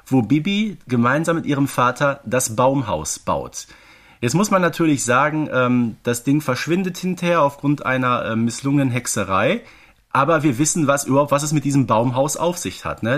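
A man with a German accent co-hosting a fan podcast, explaining things conversationally and checking for agreement. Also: medium pitch. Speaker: podcast co-host.

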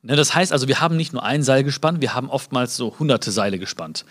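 A man giving a live motivational talk. He speaks to his listeners directly, acts out little dialogues and jumps high in pitch to stress a point. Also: fast talker, fairly bright tone. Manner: many fillers and restarts, acts out small dialogues.

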